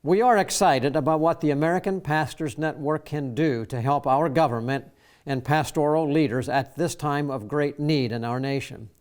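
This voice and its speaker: A man hosting a faith-based talk program, his voice sitting a little high for a man. He reads in a measured, formal way. When he speaks off the cuff he trips over fillers. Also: a little mellow, smooth. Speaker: radio show host. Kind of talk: scripted program introduction and interview.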